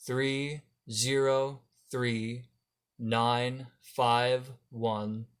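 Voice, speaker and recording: Man, phone caller, terse answers, very slow, digit by digit. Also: medium pitch, little pitch movement, smooth. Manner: terse, reads digits one by one.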